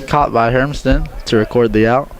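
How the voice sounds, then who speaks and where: A man doing play-by-play commentary for a college baseball game in a measured, even way. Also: medium pitch, crowd noise. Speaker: play-by-play announcer. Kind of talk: sports commentary.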